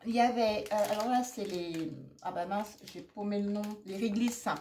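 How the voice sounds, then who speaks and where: A woman's voice: medium pitch, normal speed, warm tone, slight background noise. A middle-aged woman from France chatting casually and rambling through a shopping haul, with many fillers and asides, and a persistent cough. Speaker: haul vlogger. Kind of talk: casual haul chat to camera.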